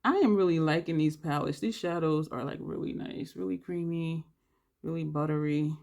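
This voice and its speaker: Vlogger, mid-pitch with a gravelly edge, congested-sounding, chatty makeup tutorial delivery with audible breaths. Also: moderate pace, a little mellow. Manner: rambling, thinks aloud while working; audible breathing between phrases. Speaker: beauty vlogger. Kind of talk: casual makeup tutorial chat.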